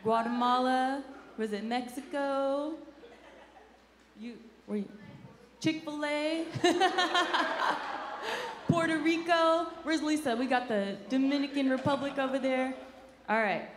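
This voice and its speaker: A woman's voice: high-pitched, steady tone, slow, long pauses. A woman leading worship, calling out to the congregation playfully and laughing between lines. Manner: playful, laughing, calls out to the crowd. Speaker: worship leader. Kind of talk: hyping up a church crowd. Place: large church hall with stage. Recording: echoey hall with crowd noise. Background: congregation and band.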